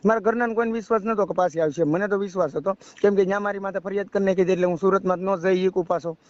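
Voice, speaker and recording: A young man speaks in a noticeably high voice with a rural Saurashtra Gujarati accent. He tells his story as a caller, rambling and tagging his sentences with little checking questions. The phone recording is dull and dry. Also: fairly even intonation, rapid-fire, a little mellow, no room sound. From Gujarat, India. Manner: rambling, often adds a checking tag question. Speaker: caller seeking advice. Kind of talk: personal account told over a phone call. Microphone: phone call.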